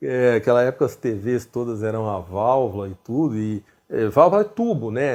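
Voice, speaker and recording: The background is quiet. A man speaks at medium pitch with lively intonation. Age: 50s. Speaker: electronics YouTuber. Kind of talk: tutorial. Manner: casual, halting with fillers.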